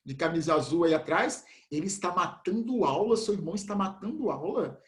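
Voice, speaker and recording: Speaking fairly quickly in a high, expressive voice, a man gives a chatty biology explanation for a remote class. His style is relaxed and full of slang like "velho" and "pessoal," recorded in a room with noticeable echo.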